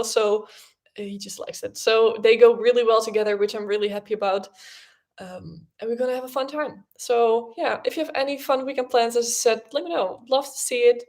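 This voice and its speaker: A woman's voice: a little high, a little mellow. A young woman whose first language is Dutch, chatting casually and rambling with many fillers as host of a livestream podcast.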